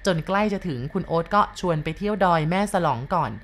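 A woman retells ghost stories sent in by listeners. Her pace is measured and her manner is polite. Her voice sits a little low. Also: expressive. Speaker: ghost story narrator. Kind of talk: storytelling narration.

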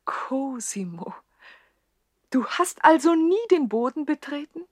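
An actress playing a haughty, coquettish young widowed princess in a 1960s German radio play, imperious and teasing in a theatrical way. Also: female voice, high-pitched, big pitch swings, takes it slowly, dry recording, clean studio sound, heavily acted. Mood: surprised, teasing.

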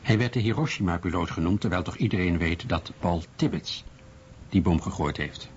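A man acting as a blunt, firm writer recounts his search for truth in a very deep voice. It is a dull recording with faint noise. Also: moderate pace, close to an everyday voice. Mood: matter-of-fact, probing. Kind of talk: scripted first-person dramatised account.

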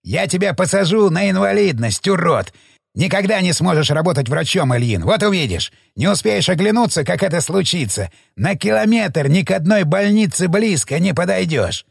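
A man voicing a furious, blustering male hospital boss who shouts threats in a raised voice. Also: big pitch swings, normal speed, vocal fry, husky, dry recording, clean studio sound, full character voice. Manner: shouting, threatening, higher-pitched.

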